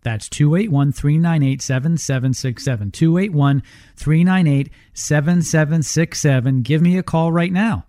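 A middle-aged man hosting radio in an infomercial-style sales pitch, asking rhetorical questions and repeating details for the listener. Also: normal speed, mellow, dry recording, studio quality. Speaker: radio show host and ad reader. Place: radio studio.

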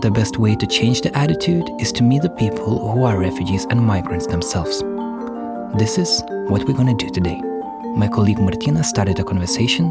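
A man's voice: lowish voice, lively intonation, a little fast, gravelly. Man narrating over music. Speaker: podcast host. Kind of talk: scripted narration. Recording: music bed underneath.

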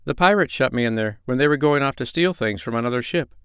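A man voicing a frightened, polite little boy in a storybook, in a high, childlike, pleading voice. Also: expressive, fast talker, a bit bright, clean tone, dry recording, studio quality. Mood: earnest, worried.

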